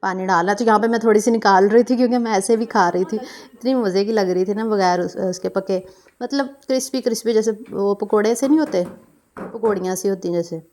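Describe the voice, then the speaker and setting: A woman's voice: medium pitch, a little fast, darkish tone, a little hiss or hum. Young Pakistani woman, mid-range voice, talking viewers through her cooking in a rambling way. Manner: chatty, meandering, with frequent fillers and self-corrections. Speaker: cooking vlogger. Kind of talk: casual vlog narration.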